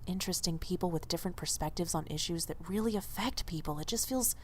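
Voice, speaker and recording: A woman's voice: fairly low pitch, fast, slight background noise, lightly acted. A woman playing an earnest, loyal young diner waitress in audio drama dialogue, speaking expressively and a little hesitantly. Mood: earnest, wistful.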